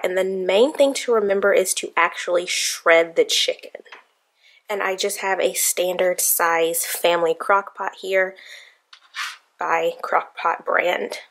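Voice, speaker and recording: A woman's voice: lowish voice, gravelly. A young woman in her twenties chatting casually to viewers in her home kitchen, walking through a cooking routine step by step. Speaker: vlogger.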